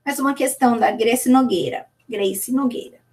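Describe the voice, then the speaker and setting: A Brazilian woman teacher answering viewer questions in a casual live lesson, reassuring and sounding out syllables slowly to demonstrate. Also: on the high side, darkish tone, far from the mic. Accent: Brazilian Portuguese.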